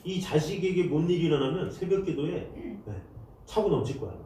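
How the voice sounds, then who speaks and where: A male pastor preaching a Sunday sermon, his pitch swinging widely as he acts out desperate prayers and cries. His voice is mellow and fairly high for a man. It rings through a very echoey church hall, picked up from a distant mic. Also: lively intonation, brisk, a little hiss or hum. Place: church sanctuary.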